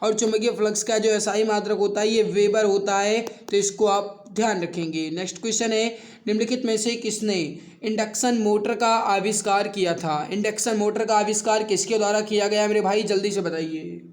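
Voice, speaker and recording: High-pitched male exam tutor. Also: fairly even intonation, moderate pace, few pauses. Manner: repetitive, emphatic, addresses listeners familiarly. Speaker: online exam-prep teacher. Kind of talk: quiz lesson for exam students with promotional pitch.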